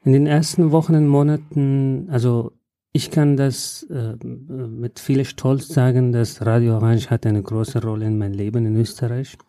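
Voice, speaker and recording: A man with a very dark, mellow voice, recorded dry and close. He speaks in halting, phrasing and fills his pauses with hesitations as he answers questions in an interview. The sound is deadened, with no room echo. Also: mid-range voice, steady tone. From Afghanistan. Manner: halting non-native German with frequent "äh" fillers. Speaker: guest, journalist.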